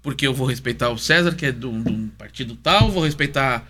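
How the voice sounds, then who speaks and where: A man's voice: mid-range voice, a little fast, pushed and bright, faint music behind. A man, chatting casually and easily as an interview guest. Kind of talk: casual chat.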